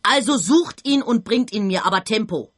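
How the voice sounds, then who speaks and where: Brief: commanding agency boss, brisk, lively, a bit high. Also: female voice, husky. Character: bossy female boss of a Santa agency.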